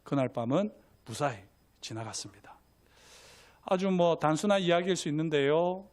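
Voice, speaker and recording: A man's voice: on the high side, animated, a little fast, a little mellow. A male pastor preaching a sermon, emphatic and full of rhetorical questions to the congregation.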